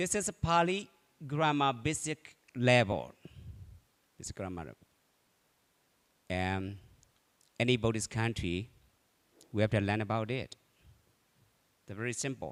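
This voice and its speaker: Lively in intonation, a man with a non-native accent speaks at a medium pitch and a fairly slow pace, leaving long, frequent pauses. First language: not English. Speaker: Buddhist teacher. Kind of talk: lecture. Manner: repetitive, halting English.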